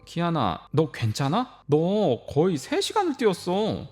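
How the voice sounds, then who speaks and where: A man's voice: on the high side, huge pitch swings, measured pace, darkish tone, soft background music. A man voicing a young woman, an anxious friend, pleading and worried.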